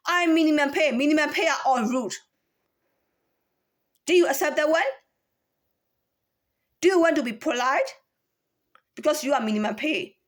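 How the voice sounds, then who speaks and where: A woman from Myanmar in a casual, rambling monologue to camera, full of rhetorical questions and restarts. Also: high voice. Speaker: vlogger.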